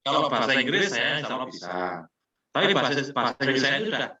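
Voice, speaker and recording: A middle-aged man from Malang with a Malang Javanese accent, giving a relaxed, chatty online lecture. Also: mid-range voice, racing. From Malang, East Java. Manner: relaxed, chatty, slangy explaining. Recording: echoey distant dull online call audio.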